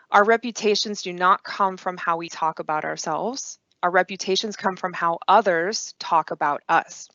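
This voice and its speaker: A woman in her thirties giving a conference talk online, with steady, clearly paced delivery. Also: lowish voice, no echo. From United States. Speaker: conference speaker. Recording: dull lo-fi dry sound.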